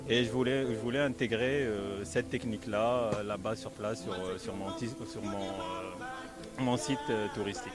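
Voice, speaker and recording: A man's voice: fairly low pitch, fairly even intonation, normal speed. A man from Algeria who works in tourism, answering an interview hesitantly with fillers. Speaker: tourism operator. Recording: loud music over the voice.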